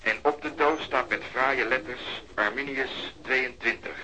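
Sharp, teasing police colleague. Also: male voice, medium pitch, measured pace, soft background music, low-quality recording. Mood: teasing, sly. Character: teasing, long-winded male police colleague. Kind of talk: Dutch radio crime drama acting.

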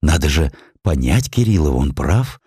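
A meek provincial clerk, played by a male narrator in a historical audio drama. He is anxious and obsequious, his pitch climbing in pleading swoops over a soft, dry tone. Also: big pitch swings, normal speed, slightly rough, dry recording, full character voice. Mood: anxious, apologetic.

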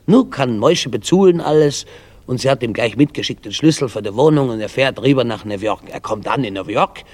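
Male comedian, joke teller, Yiddish-tinged phrasing, animated pitch. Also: fairly quick. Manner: Yiddish-flavoured storytelling syntax. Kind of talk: telling jokes.

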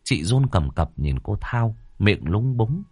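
A man's voice: on the low side, very animated, slow, a little mellow, breathy edge, no room sound, clean studio sound. A man narrating a horror story with a dramatic, suspenseful delivery. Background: faint background music.

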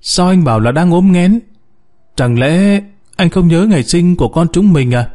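A man's voice: high voice, expressive, moderate pace, mellow, voice pushed up. A man voicing an anxious pregnant young wife in a story, insistent and pleading. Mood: puzzled. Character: anxious heavily pregnant young wife, desperate for her husband.

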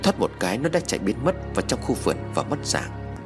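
A male storyteller tells a ghost tale with dramatic flair, moving at a quick pace. His pitch rises and falls in lively arcs over quiet, soft music.

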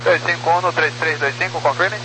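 A man's voice: fairly high pitch, fairly even intonation, a little fast, music in the background. A man speaking as a pilot over a walkie-talkie style aviation radio, giving clipped readbacks. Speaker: pilot on air traffic radio. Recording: very noisy, humming, crackly radio channel.

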